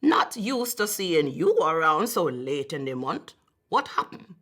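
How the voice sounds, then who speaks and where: A woman voicing a stern but kindly old grandmother in a storybook, measured and wise. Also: low-pitched, big pitch swings, fairly bright tone, heavily acted. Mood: puzzled. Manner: measured, admonishing, reassuring.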